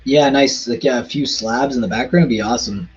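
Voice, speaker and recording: Guy streaming, kinda husky voice, talks in quick bursts, dull muffled audio. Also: medium pitch. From Canada. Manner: chatty, rushes in quick bursts, stumbles over foreign words. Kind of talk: casual live stream chat.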